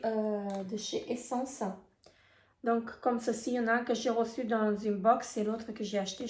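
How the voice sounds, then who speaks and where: A woman with a hoarse voice giving a casual beauty product review, talking in a halting way full of hesitations. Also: on the high side, a little mellow. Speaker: beauty vlogger. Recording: echoey room.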